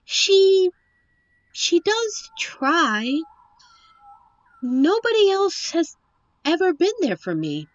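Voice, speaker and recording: A woman playing a captive young princess in a roleplay audio drama, witty and wistful, with genteel, formal storybook phrasing and thoughtful pauses. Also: extremely high pitch, very animated, dry recording, dull audio, heavily acted. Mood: troubled, fond. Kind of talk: roleplay audio drama, one side of a dialogue.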